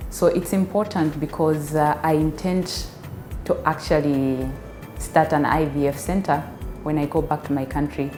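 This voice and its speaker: A woman's voice: sits low, a little mellow. A Zambian woman, a biomedical scientist, giving a testimonial in a hesitant way with many fillers and restarts. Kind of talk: filmed testimonial interview. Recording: echoey room with faint music.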